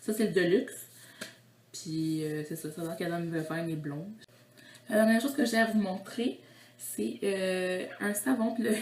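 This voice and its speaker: A woman's voice: mid-range voice, a little mellow, roomy sound. A young woman with a Quebec French accent, chatting casually in a haul vlog, giggly and rambling with lots of fillers. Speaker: vlogger.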